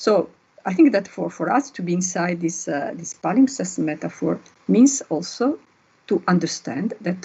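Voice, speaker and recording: Vocal fry, lively intonation and a moderate pace. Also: woman. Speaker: urbanism professor giving a masterclass talk. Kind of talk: lecture. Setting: online video lecture.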